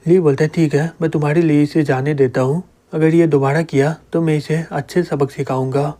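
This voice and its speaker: A man narrates a comic story, voicing every character in the same even storytelling voice. His pitch sits a little high for a man. His tone is mellow and dark rather than bright. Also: brisk. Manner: reads all characters' lines in the same plain narrating voice.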